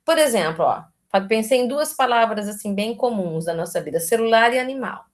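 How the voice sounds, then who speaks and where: A woman's voice: a little high, expressive, brisk. Chatty Brazilian woman lecturing. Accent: Brazilian Portuguese. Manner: chatty, constantly adds tag questions; restarts and self-corrects mid-sentence. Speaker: university lecturer. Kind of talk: informal live lecture.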